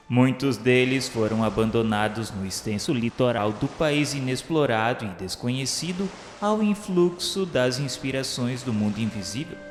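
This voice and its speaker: Male narrator, Brazilian accent, for solemn radio storytelling; literary and measured, drenched in reverb over music. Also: mid-range voice. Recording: echoey hall reverb, music underneath. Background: background music.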